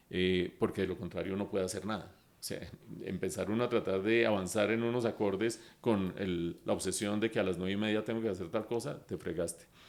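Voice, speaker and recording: A man with a fairly low pitch, an unremarkable speaking voice, ordinary pitch variation and a moderate pace. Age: 60s. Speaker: economist. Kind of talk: casual chat.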